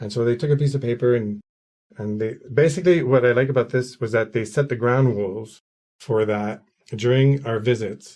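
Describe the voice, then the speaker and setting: A man with a Quebec accent speaks at medium pitch and a moderate pace, in a dark, mellow tone with ordinary pitch variation. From Canada, Quebec City (francophone area). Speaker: church convert sharing his story. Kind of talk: testimony.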